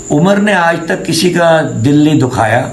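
The voice moves at a fairly slow pace with ordinary pitch variation, amid audible room echo and light background noise. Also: man. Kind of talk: interview answer, tribute. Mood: solemn, grieving remembrance. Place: home room. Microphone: phone near.

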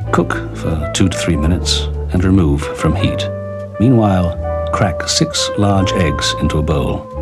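Music plays clearly in the background. A man speaks over it fairly slowly. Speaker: voiceover artist, actor. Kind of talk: TV commercial read, recipe instructions. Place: studio.

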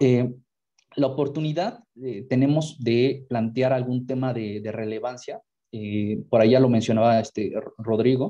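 A man's fairly slow delivery, with fairly even intonation, comes over a quiet background. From Mexico. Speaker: former program fellow. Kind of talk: webinar talk. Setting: video call. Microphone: earbuds.

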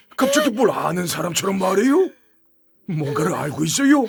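In a put-on character voice, a man talks at a high pitch and a moderate pace. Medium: audio drama. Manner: stammering.

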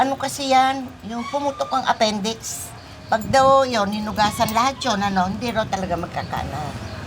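Over music in the background, a woman with a fairly high pitch speaks at a moderate pace with ordinary pitch variation. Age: 80s+. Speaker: elderly sister of the featured woman. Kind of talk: casual interview.

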